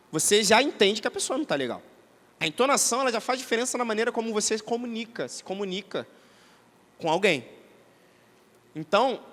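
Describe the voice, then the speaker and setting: Brief: Brazilian man, fairly high voice, chatty seminar teacher, long hall reverb. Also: a bit bright. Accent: Brazilian Portuguese. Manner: conversational and didactic, many tag questions. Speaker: church seminar speaker. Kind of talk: teaching talk to an audience. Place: church hall.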